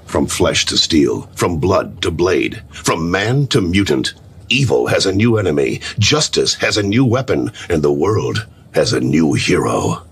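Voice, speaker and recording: Super deep trailer guy, slow booming lines that swing up and down, bit of hiss. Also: very animated, exaggerated voice. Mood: portentous. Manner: slow, booming, portentous delivery. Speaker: movie trailer narrator. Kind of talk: dramatic trailer voice-over.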